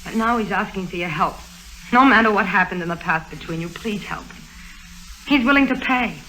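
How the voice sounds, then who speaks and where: An earnest, loyal young secretary, played by an actress in an old radio drama. She pleads in a mid-pitched voice. A faint hiss lies beneath the broadcast. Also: brisk, bright, forceful tone, close to an everyday voice, poor audio. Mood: pleading. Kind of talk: 1950s radio drama acting.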